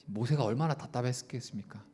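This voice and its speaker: A young man, a youth pastor, preaching a sermon at a youth service. He puts questions straight to his listeners and swings between raised emphasis and quiet asides. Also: medium pitch, quick pace, breathy edge. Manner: addresses listeners directly with questions. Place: church service.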